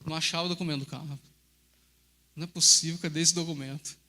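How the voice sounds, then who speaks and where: A middle-aged male pastor with a Brazilian Portuguese accent gives a sermon built on personal stories and keeps calling out to the congregation. His voice sits high and sounds bright and forceful, and his telling is animated. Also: fast. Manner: animated storytelling, addressing the congregation as brothers.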